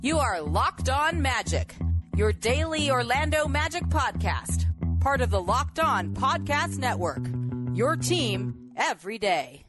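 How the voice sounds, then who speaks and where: A man delivering the show tagline in a slow, drawn-out, lilting voice over loud guitar music. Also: very high voice, big pitch swings, voice pushed up, exaggerated voice.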